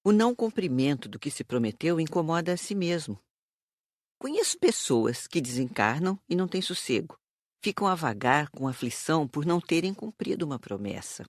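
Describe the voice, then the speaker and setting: A woman with a Brazilian accent playing a calm, didactic spirit teacher in an audiobook drama. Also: sits low, dry recording, clean studio sound. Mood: instructive, earnest. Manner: didactic, measured.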